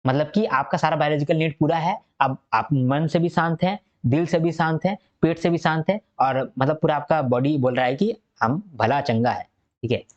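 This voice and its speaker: A man's voice: a little high, normal speed, muffled recording. A male teacher giving a recorded exam-prep lecture. He explains step by step, repeats key points and keeps checking that listeners follow.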